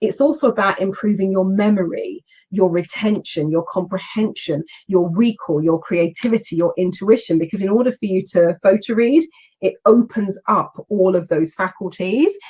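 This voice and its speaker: This voice carries a British accent and a dark, mellow tone. It is somewhat breathy, with ordinary pitch variation. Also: woman, medium pitch for a woman. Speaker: learning coach. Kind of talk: webinar presentation. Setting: webinar. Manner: fast.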